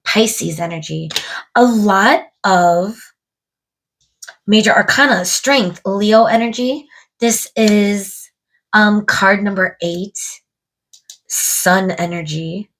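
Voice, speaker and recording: A woman's voice: mid-range voice, slow pace, pauses often, fairly bright tone, poor audio. Woman reading tarot cards to camera, a bit congested from a cold, talks to spirit as she goes. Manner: musing aloud, addressing spirit and viewers. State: stuffed up from a cold. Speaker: tarot reader.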